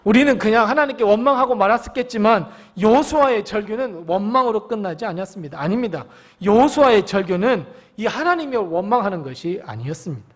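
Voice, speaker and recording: A man preaching a sermon as the pastor, dramatic, dropping to whispers and then rising to loud cries. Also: sits high.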